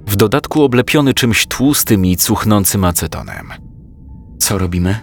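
Male narrator, low voice, measured first-person audiobook read over quiet music. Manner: calm, measured storytelling with quoted dialogue.

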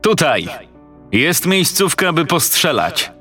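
A man's voice: medium pitch, big pitch swings, unhurried, a bit bright, faint music behind, pitched above the performer's own voice. A man voicing a brash, teasing teenage boy who leads his friends in a spoken horror story. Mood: excited. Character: cocky joking teenage boy, group leader.

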